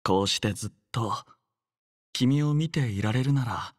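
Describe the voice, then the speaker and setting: A man acting as a young male android squad leader from an anime game, devoted and dutiful. His mid-pitched voice is measured, formal and softly caring. The recording is dry and close, with no room sound. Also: dry recording, close to an everyday voice. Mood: tender, reflective. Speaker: voice actor in a mobile game. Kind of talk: anime game character voice lines.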